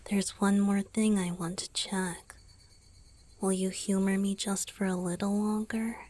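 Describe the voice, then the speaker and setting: A woman voicing a tender romantic young male vampire boyfriend in a gentle, breathy whisper for an ASMR roleplay. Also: mid-range voice, level tone, close to an everyday voice. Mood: flustered, reassuring. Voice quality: breathy, airy. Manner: slow, gentle, intimate.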